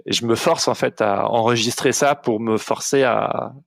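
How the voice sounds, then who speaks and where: A man's voice: medium pitch, fairly even intonation, moderate pace, vocal fry, dry recording, clean studio sound. A young man, hosting a casual podcast interview, hesitant with many restarts. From Belgium. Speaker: podcast host.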